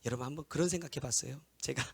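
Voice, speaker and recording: A man in his thirties, a pastor preaching a sermon, swinging from loud exclamations to hushed whispers. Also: mid-range voice, racing, gravelly, husky.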